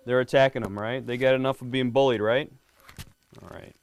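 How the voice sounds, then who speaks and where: Friendly middle-aged male cop reading a picture book to a classroom; mid-pitched, dry sound. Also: fairly even intonation, brisk, smooth, no room sound. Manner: friendly, quizzing the kids, often asks "right?". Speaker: police lieutenant reading to students. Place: elementary school classroom.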